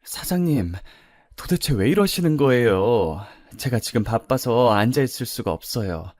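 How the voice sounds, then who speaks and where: 남자가 높여 연기하는 애원하는 중년 어머니. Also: male voice, medium pitch, lively intonation, moderate pace, darkish tone, no room sound, studio quality, faint music behind, close to an everyday voice. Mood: pleading. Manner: pleading, flustered. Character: harried middle-aged waitress mother, pleading.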